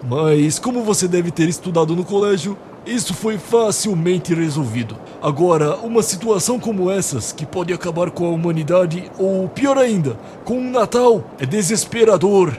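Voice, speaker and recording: A man's voice: high voice, animated, moderate pace, few pauses, darkish tone, a little hiss or hum. A man playing a nervous, rambling, exasperated Santa Claus in a comedic radio play. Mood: apologetic, rambling. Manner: theatrical, long-winded, exasperated. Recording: music behind the voice.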